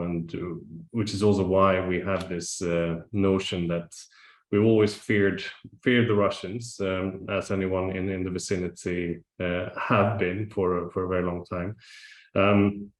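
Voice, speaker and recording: A man from Sweden with a very low voice, speaking on an academic panel. He halts and restarts often as he thinks aloud. His voice rings in an echoey room. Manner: hesitant, many restarts and fillers.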